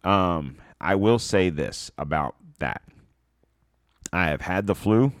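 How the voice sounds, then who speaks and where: A man's voice: sits low, expressive, slow, dry recording, studio quality. A man hosting a podcast, giving blunt, sarcastic political commentary in a rambling way with many fillers, a little stuffed up. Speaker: podcast host.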